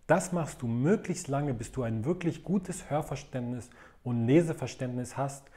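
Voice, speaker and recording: A man's voice: mid-range voice, dark tone. A man teaching in a video lesson, laying out methods step by step in a methodical, explanatory way. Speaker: language learning coach.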